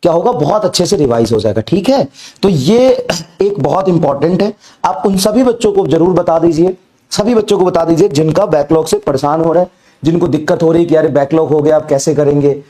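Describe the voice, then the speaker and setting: A man's voice: brisk, mellow. Feverish male teacher with a cracking voice. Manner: low-energy, repetitive, coaxing rhetorical questions. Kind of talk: recorded online class lecture.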